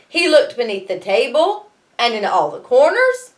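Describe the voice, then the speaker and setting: Animated woman reading a storybook. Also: on the high side, moderate pace. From United States. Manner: animated, explains words in wry asides. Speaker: schoolteacher reading aloud to students. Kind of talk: expressive storybook reading with asides.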